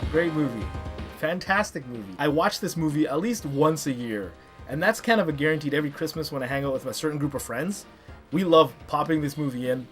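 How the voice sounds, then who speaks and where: A man's voice: fairly high pitch, expressive, a little fast, a bit bright, faint music behind. A man around his thirties or forties giving casual, opinionated countdown commentary as an enthusiastic fan and online review host.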